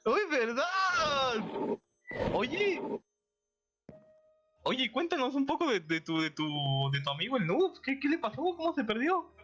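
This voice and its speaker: A man's voice: very high-pitched, big pitch swings, measured pace, pauses often, pushed and bright, lo-fi sound. A young man improvising in-character Minecraft roleplay chat in a playful, clowning manner.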